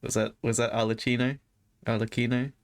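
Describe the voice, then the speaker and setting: A man's voice: mid-range voice, level tone, a little fast, slight background noise. A man giving casual, rambling let's play commentary as a streamer, often interrupting himself in a conversational way. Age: adult, past his teens. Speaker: video game streamer. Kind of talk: casual let's play commentary, reading game text aloud.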